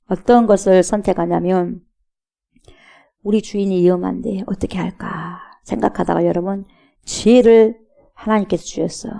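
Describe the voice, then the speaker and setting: A woman's voice: mid-range voice, gravelly, mellow. A middle-aged woman pastor preaching a sermon, telling a story and acting out its characters' lines, sometimes dropping to a whisper.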